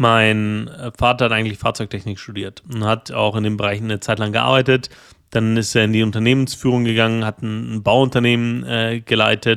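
The delivery is monotone and flat, at a moderate pace. The recording is very clean, with a silent background. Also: man, medium pitch for a man. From Rhineland-Palatinate, Germany. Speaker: podcast co-host, manager. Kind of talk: casual chat. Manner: hesitant, many fillers and repetitions.

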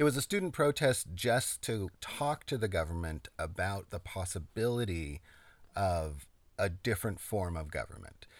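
A man with an ordinary speaking voice is heard in a very clean recording against a silent background. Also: fairly low pitch for a man, lively intonation, moderate pace. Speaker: podcast co-host. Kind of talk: casual chat.

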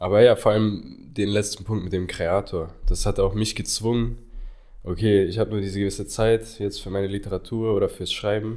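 Here a man with a fairly low pitch and a dark, mellow tone speaks at a moderate pace with fairly even intonation. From Germany, Lower Rhine (Neuss). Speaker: podcast host, student. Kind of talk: casual conversation.

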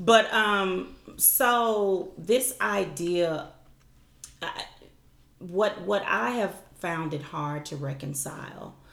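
A woman of medium pitch speaks at a very slow pace with long, frequent pauses and lively intonation. Her loudness swings widely, and audible room echo is present. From Mississippi. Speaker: podcast co-host and former professor. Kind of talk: casual chat.

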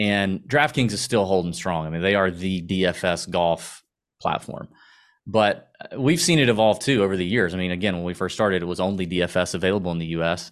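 A man speaks at a fairly quick pace with a Southern US accent. His very deep, low pitch comes through on a very clean recording with a silent background. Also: ordinary pitch variation. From Augusta, Georgia. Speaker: podcaster. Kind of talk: casual chat.

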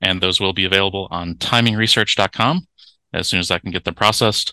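A man speaks very fast in a fairly low pitch with a bright, sharp tone. The sound is dry and close, with no echo. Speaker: event host. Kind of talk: event introduction. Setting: video call conference webinar.

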